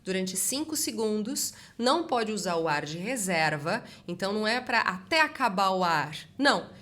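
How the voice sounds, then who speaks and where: A woman speech therapist leads a voice exercise lesson, speaking directly to the viewer with brisk, encouraging energy. Her voice sits in a middle pitch, and she coaches in short, firm instructions. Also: very animated, pushed and bright.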